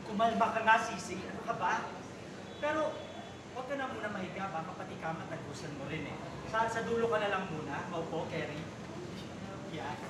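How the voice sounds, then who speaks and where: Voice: mid-range voice, expressive, brisk, long pauses, natural voice. An actor in a staged play reading, playing a flamboyant gay older brother who talks campily in exclamations, mixing in English. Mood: bossy reassurance. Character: flamboyant, campy gay older brother minding his little sister. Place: basement theater stage. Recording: echoey stage room, distant, loud background noise.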